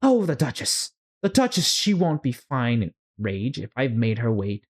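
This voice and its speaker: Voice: mid-range voice, sing-song, a little slow, breathy edge. A storyteller voicing an anxious, flustered white rabbit who frets to himself in a storybook. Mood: frantic, fretful.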